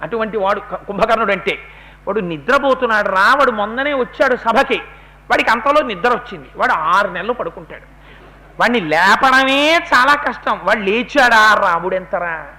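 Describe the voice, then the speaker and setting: A man's voice: high-pitched, animated, normal speed, pushed and bright. A man giving a devotional epic discourse, telling the story and acting out the characters' words with rising intensity. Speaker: religious discourse speaker.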